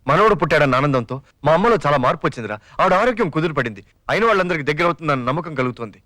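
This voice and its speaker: A man's voice: fairly high pitch, animated, sharp tone, dry recording, clean studio sound. An actor playing a young father who pleads and jokes as he talks his friend into a scheme, in a comic film. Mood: fast pleading. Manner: fast, pleading and joking.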